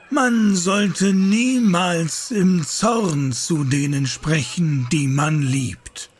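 An actor playing a calm, controlling priest who preaches in a measured, patronising way in a German radio play. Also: male voice, fairly high pitch, slight background noise.

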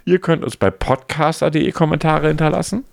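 A man's voice: a little high, brisk, vocal fry, dry recording. A man co-hosting a casual podcast, joking and rambling with a self-satisfied tone. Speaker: podcast co-host.

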